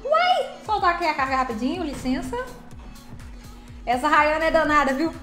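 A woman chatting lively on a live stream, greeting viewers by name while playing a truck game. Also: high voice, a little fast, echoey room, soft background music.

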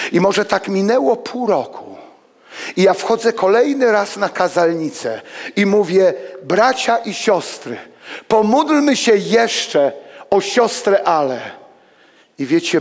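An older man preaching in a church hall, his voice pitched high for a man and ringing with a long reverb. He moves among the pews as he talks, rising to loud exclamations and then dropping to hushed asides. He wears a headset mic. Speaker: pastor. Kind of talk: sermon.

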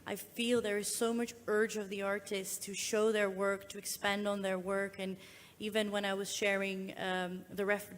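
Eager woman presenter in a reverberant hall. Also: medium pitch. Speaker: exhibition presenter. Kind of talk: answering a question at a conference.

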